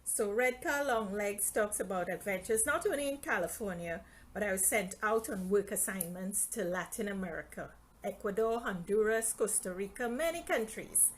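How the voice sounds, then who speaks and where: Middle-aged author from Trinidad and Tobago. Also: female voice, medium pitch, lively intonation, moderate pace, rough recording. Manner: friendly, chatty, reads aloud from her book. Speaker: author hosting a live stream. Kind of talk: casual live-stream talk and reading.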